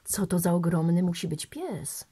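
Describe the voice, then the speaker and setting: A woman's voice: fairly low pitch, expressive, moderate pace, dark tone, husky. A woman voicing an enthusiastic, adventurous teenage boy. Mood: eager.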